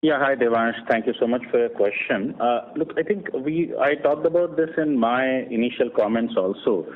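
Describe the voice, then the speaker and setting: A male company executive answering questions on an earnings call, speaking off the cuff and rephrasing haltingly as he explains. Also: medium pitch. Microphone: conference phone call. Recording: narrow phone line with clear noise.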